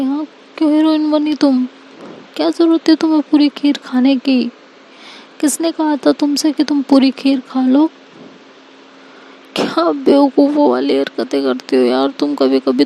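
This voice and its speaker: A woman voicing Anika, an anxious young woman who pleads with and scolds her girlfriend, in a higher, emotional voice. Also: gravelly, warm tone, a little hiss or hum, full character voice.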